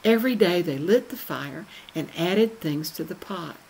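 An older woman from the American South with a softened Southern accent, telling folksy history stories to camera with careful, crisp word endings. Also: on the low side, animated, poor audio. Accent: Southern American, softened by radio speech training. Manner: slow, careful endings, gently humorous. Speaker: presenter. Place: wood-panelled room indoors. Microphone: webcam on a video call.

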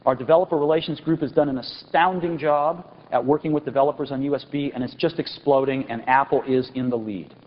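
A man in his forties giving an enthusiastic product launch keynote on a large auditorium stage, pausing for effect and stressing key words. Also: medium pitch, fairly even intonation. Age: 40s. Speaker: company executive presenting a product keynote. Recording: dull lo-fi 1999 event recording with faint hiss.

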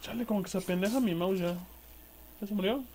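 A man's voice: high-pitched, fast talker, darkish tone, slight background noise. A man with a Mexican accent giving casual, crude, slang-heavy commentary while playing a game. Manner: crude slangy banter, swearing at enemies. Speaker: gameplay streamer. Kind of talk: casual let's-play commentary.

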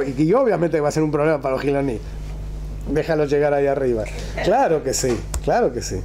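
Mellow older rabbi teaching. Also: male voice, a little high, slight background noise. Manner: rhetorical questions, emphatic repetition. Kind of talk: religious text class, conversational lecture. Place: small classroom, indoors.

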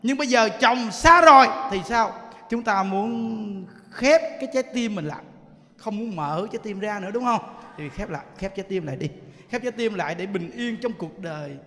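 A Southern Vietnamese monk preaches in a temple hall, his voice pitched notably high for a man. He spins lively anecdotes, fires rhetorical questions at the listeners and breaks into laughter. His words ring out with a long, lingering hall reverb. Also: moderate pace. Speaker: Buddhist monk teacher. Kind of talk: dharma talk sermon.

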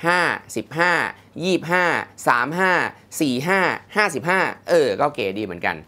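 A man presenting a smartwatch review in a chatty, lively way, with many polite fillers. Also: a little high, normal speed. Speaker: tech reviewer.

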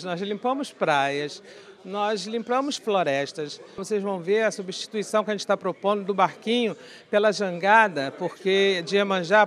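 A middle-aged woman with a Brazilian Portuguese accent, an event director, speaking emphatically into a reporter's handheld mic in an indoor hall. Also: lowish voice. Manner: emphatic, repetitive insistence. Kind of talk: interview soundbite.

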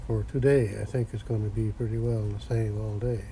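A man's voice: on the low side, level tone, normal speed, warm tone, slight background noise, rough recording. A man rambling in a folksy way while filming in his cluttered home workshop garage. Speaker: vlogger. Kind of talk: casual workshop vlog.

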